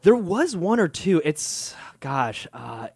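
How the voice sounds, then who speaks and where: A man's voice: on the high side, sing-song, slow, creaky, darkish tone, husky. A man in his late twenties, a humor writer and podcast guest, talking in an easygoing way full of fillers and hedges. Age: 20s. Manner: easygoing, filler-heavy, hedging. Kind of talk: casual interview chat.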